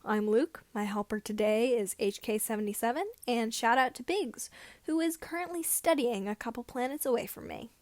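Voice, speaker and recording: A woman's voice: fairly high pitch, moderate pace, dry recording, close to an everyday voice. A woman voicing an eager young farm boy mechanic in a story, gushing and enthusiastic. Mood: cheerful.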